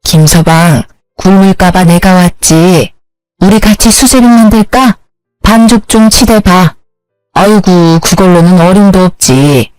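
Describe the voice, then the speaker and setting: A woman's voice: on the low side, unhurried, darkish tone, no room sound, soft background music, lightly acted. A woman voicing a nagging middle-aged mother-in-law who runs a hair salon and orders people about. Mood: bossy. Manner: scolding, bossy.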